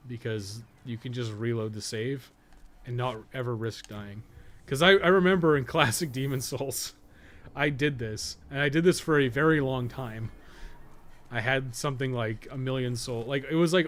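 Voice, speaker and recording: A man's voice: medium pitch, moderate pace, a bit bright. A man giving casual, rambling game stream commentary with a jokey, sometimes profane manner. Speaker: podcast co-host and game guide maker. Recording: clearly noisy background.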